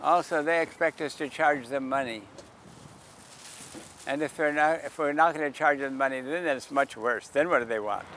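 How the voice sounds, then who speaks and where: Older man, sidewalk astronomer, dry humor, slightly high voice, faint street noise. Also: normal speed. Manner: calls out invitations loudly to passersby, dry humor. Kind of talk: casual outdoor explaining to passersby. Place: outdoors in a park by a parking lot. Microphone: camera mic at a few feet.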